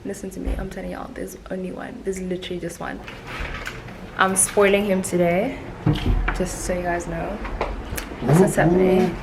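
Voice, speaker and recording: A woman's voice: on the low side, level tone, moderate pace, long pauses. A young woman hosting a casual vlog, chatty and giggly. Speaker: vlogger host. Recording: noisy handheld vlog audio.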